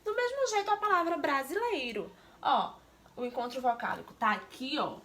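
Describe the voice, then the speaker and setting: A woman's voice: high voice, lively intonation, moderate pace, fairly bright tone. A woman teacher giving a remote lesson to young pupils, explaining step by step and often asking them questions. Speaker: primary school teacher.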